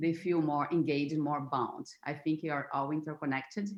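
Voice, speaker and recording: A woman's very deep, low voice in a Portuguese accent, at a moderate pace. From Brazil (Rio de Janeiro, Brasilia). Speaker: poet. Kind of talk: interview. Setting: video call. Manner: halting.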